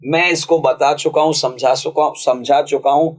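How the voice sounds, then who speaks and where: A man teaching English grammar for exam prep, reading sentences slowly and explaining them in a casual, chatty way. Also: on the high side, steady tone, poor audio. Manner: casual, chatty, calls viewers friends and brother.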